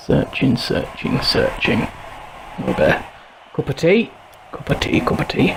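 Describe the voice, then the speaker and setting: With noticeable noise in the background, a man speaks fairly slowly, breaking often into long pauses. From Yorkshire, England. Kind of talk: casual gaming commentary. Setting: home recording, poor sound. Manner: light-hearted, giggly.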